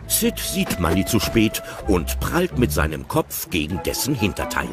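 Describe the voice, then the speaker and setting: A man's voice: deep voice, wildly swooping pitch, measured pace, music in the background. A man narrating an audio drama in a chatty, playfully commenting way.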